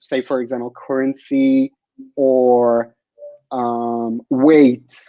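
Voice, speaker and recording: Against a quiet background, someone with an Israeli accent speaks at a very slow pace. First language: Hebrew. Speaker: developer community meetup host. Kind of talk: Q&A moderation at online meetup. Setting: online video meetup. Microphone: video call.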